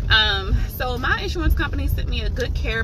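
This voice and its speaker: Speech at a moderate pace over clear music in the background. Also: woman. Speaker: vlogger. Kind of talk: casual vlog chat. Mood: a little nervous, chatty. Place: car. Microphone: phone near.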